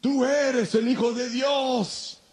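An actor voicing a tormented demon spirit in a dramatized audio Bible, crying out in fear and defiance with drawn-out shouts. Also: male voice, extremely high pitch, steady tone, breathy edge, exaggerated voice. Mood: frightened, defiant. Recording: music behind the voice.

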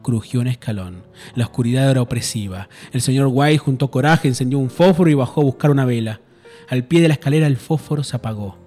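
A man, a radio host, reading a horror story aloud in a measured, suspenseful way. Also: mid-range voice, dark tone, faint music behind.

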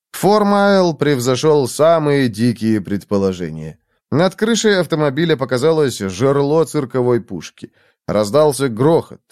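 A man narrating an audiobook in a lively, expressive way. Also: mid-range voice, no room sound, studio quality.

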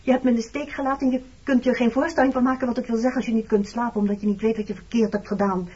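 A woman acting in a radio play as a hurt, reproachful married woman facing her former lover, speaking in a measured, intimate, accusing way with a slightly husky voice. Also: a little high, steady tone, darkish tone. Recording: dull lo-fi old radio recording.

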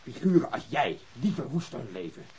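An actor playing a bitter, bossy police detective in a radio drama, stern and cutting in manner. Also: male voice, mid-range voice, big pitch swings, brisk, a little mellow, a little hiss or hum, close to an everyday voice, poor audio. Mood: bitter, contemptuous.

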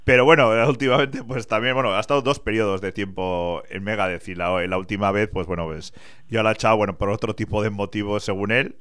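A man from Spain co-hosting a casual radio chat about rock, chatty and relaxed, laughing now and then. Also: fairly low pitch, a little fast, clear, resonant tone, no echo. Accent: Spanish. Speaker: radio show co-host.

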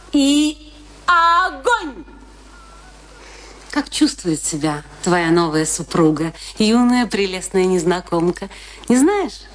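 A high-voiced, mocking, vindictive wife. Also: female voice. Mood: taunting. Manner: sardonic, taunting, theatrical. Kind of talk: theatrical radio play dialogue.

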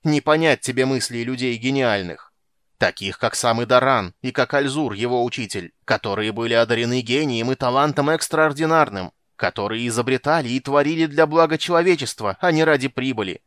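A man voicing a cranky old male sorcerer who shouts and scolds in a shrill, petulant voice. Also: no room sound, studio quality.

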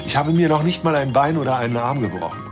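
An actor playing a lonely, lovestruck middle-aged astronomer, brooding and confessing in a radio drama. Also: male voice, mid-range voice, expressive, fast talker, over music, natural voice. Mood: confessional, yearning.

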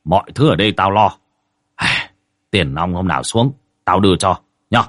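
A gruff, blunt older boat owner, voiced by a male storyteller. His low, husky voice gives orders in short bursts. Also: moderate pace, fairly bright tone, no echo, studio quality. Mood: commanding. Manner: blunt, commanding.

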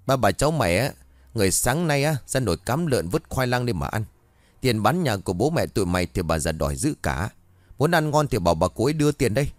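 A man voicing a cruel, hot-tempered middle-aged aunt who scolds in rapid, harsh bursts. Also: mid-range voice, big pitch swings, dry recording, natural voice. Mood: scornful.

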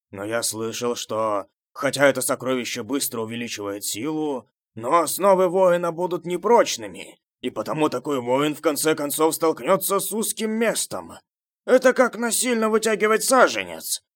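A man voicing the fawning henchmen of a tribal leader in an audiobook, loud, exclamatory and emphatic. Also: medium pitch, dry recording, close to an everyday voice. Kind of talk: audiobook character voice.

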